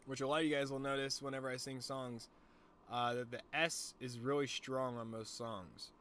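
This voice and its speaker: A man's voice: mid-range voice, fairly even intonation, normal speed, fairly bright tone. A young man rambles loosely to his audience, his speech catching on a lisp and a stutter. He swears freely and keeps the chat jokey and meandering. A faint hiss sits under the recording. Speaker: streamer. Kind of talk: casual stoner vlog chat.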